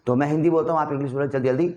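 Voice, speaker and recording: Brisk man drilling a class. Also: a little high, steady tone, a little mellow, lo-fi sound. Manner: brisk, rapid-fire drilling sentences. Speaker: spoken English teacher. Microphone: recorded in a classroom.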